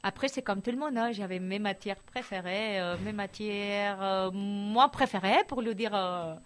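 Middle-aged woman from Barcelona, school counselor giving a relaxed interview, mid-range voice, hesitant and searching for words. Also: mid-range voice. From Barcelona, Spain. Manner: thoughtful, hesitant, many pauses and restarts. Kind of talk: casual interview answers.

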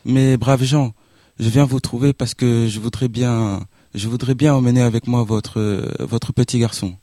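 A man reading a story aloud, voicing a spoiled young wife who pleads in a halting, trembling way. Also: medium pitch, warm tone, dry recording, studio quality, natural voice. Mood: pleading.

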